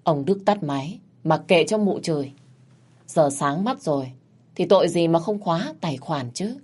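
Low-voiced woman telling a story. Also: expressive, normal speed, a little mellow, husky. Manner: vivid, colloquial, mocking storyteller. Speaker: narrator. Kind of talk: storytelling narration.

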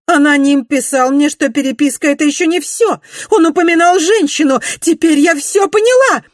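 A woman's voice: high-pitched, lively intonation, brisk, dry recording, clean studio sound, voice pushed up. A woman reader voicing a haughty, jealous society lady who turns indignant and imperious. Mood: furious shouting.

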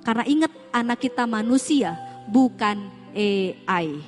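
A woman with a high, bright-pitched voice gives an animated Islamic parenting talk to a room of parents. She throws rhetorical questions at the audience and slips into quoted voices to make her point. Music plays clearly behind her. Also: moderate pace. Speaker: parenting seminar speaker.

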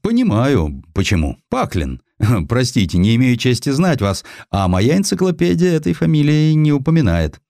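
A man's voice: mid-range voice, huge pitch swings, moderate pace, gravelly, darkish tone, dry recording, pitched above the performer's own voice. A polite, harried publisher, put on by a male audiobook narrator. His speech is formal and courteous, with a very mobile, theatrical melody. It sounds close and dry. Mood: polite, puzzled.

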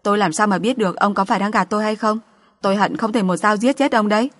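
A female narrator plays a middle-aged wife at the end of her rope in a storybook drama. She rants and accuses bitterly, her pitch lifted above plain narration. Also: quick pace, lightly acted. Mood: accusing. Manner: ranting, accusing, wailing.

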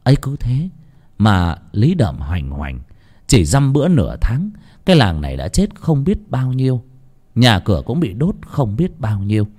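A male storyteller narrating a dark folk tale in a grave, emphatic manner. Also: medium pitch, huge pitch swings, normal speed.

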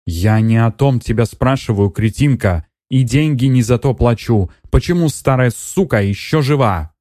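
Casting: a ruthless scheming woman, cold and bossy, read by a man, raised higher and harsh, dry close sound. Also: big pitch swings, moderate pace, mellow, dry recording. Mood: commanding. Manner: harsh, commanding.

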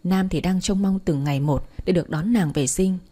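Woman narrator for a storytelling channel, low, dark and husky, steady delivery. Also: normal speed.

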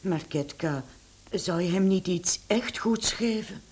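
An actress playing a soft, worried mother in a radio drama, with a husky, breathy voice. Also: on the low side, slow pace. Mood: concerned. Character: soft, devout, worried middle-aged mother.

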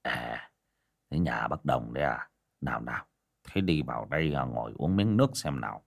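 A man voicing a frightened old village father who talks in a low, trembling hush. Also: animated, unhurried, slightly rough, heavily acted.

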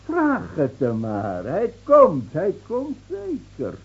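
An actor in a Dutch radio play playing a mocking, defiant old village drunk who foretells doom with theatrical scorn. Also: male voice, sits high, wildly swooping pitch, slow pace, husky, highs cut off, exaggerated voice. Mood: triumphant, taunting. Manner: taunting, theatrical, scornfully laughing.

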